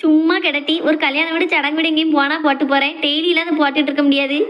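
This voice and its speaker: A woman playing a modest doting mother, high and quick. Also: level tone, muffled recording, natural voice. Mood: bashful. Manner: shy, scolding fondly. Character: middle-aged mother, soft-hearted and modest. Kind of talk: family drama skit.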